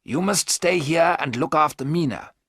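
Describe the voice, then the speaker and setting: A man's voice: a little high, lively intonation, a bit bright, no echo, clean studio sound, pitched above the performer's own voice. A man voicing a wise old professor. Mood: firm. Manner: measured, explaining, firm. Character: older male professor, wise and firm.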